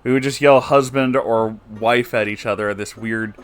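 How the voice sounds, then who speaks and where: A man narrating a story as a host, in an expressive, jokey and casually sweary way with offhand asides. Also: fairly low pitch, normal speed, clean tone. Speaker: host reading submitted stories aloud.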